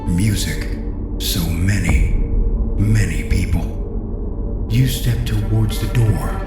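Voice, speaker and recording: An ominous male narrator for a horror audio drama, low and extremely slow. His deliberate, menacing delivery echoes as he draws a lost visitor in, with loud music underneath.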